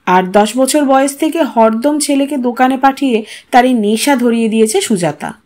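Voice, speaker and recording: A woman's voice: a little high, moderate pace, darkish tone. A woman reading a literary short story aloud as a scripted audio narration.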